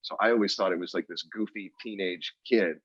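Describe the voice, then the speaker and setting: A man's voice: low voice, fairly quick, fairly bright tone, slightly rough, no echo, lo-fi sound. A man co-hosting a podcast, telling a story in casual chat with lots of restarts and fillers. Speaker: podcast co-host.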